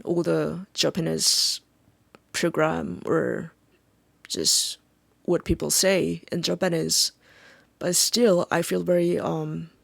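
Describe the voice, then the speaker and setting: A Korean-accented speaker, a native Korean speaker, talking in a halting, reflective vlog monologue and often pausing to search for words. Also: mid-range voice, creaky, no echo. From South Korea. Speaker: vlogger.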